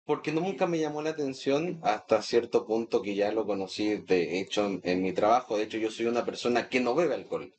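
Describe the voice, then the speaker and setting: A man's voice: lowish voice, a little fast, hardly any pauses, darkish tone. A Chilean man in his thirties talking casually as a guest sommelier in an interview. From Chile, grew up in Santiago. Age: 30s.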